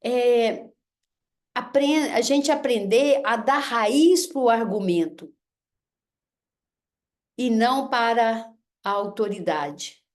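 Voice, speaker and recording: A woman gives a lecture to an audience on raising children. Her voice sits high, and she talks in a lively, animated way, slipping into the voices of parents and kids to act out her examples. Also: slow, pauses often. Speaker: speaker giving a talk on parenting.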